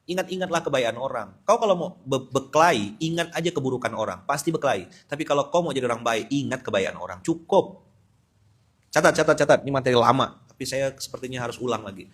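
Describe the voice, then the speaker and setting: A man, preaching a lively, humorous sermon with sudden loud emphatic bursts. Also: mid-range voice, fast, breathy edge. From West Kalimantan, Indonesia. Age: 40s. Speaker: Islamic preacher. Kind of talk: sermon at a dawn study gathering.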